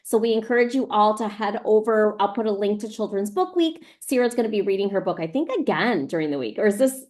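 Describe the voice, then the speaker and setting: A woman's voice: medium pitch, expressive, fast, darkish tone. A woman hosting a live virtual author visit, chattily addressing schoolchildren and teachers. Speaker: host of an online book event.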